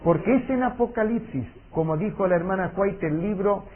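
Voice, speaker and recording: A man teaching a Bible seminar, earnest and emphatic, slowing down for solemn warnings. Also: high voice, expressive. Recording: tinny lo-fi audio recording.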